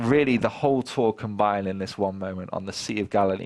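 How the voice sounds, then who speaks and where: Against a quiet background, a man with a normal speaking voice talks at a fairly quick pace. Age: 20s. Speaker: assistant pastor. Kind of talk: interview.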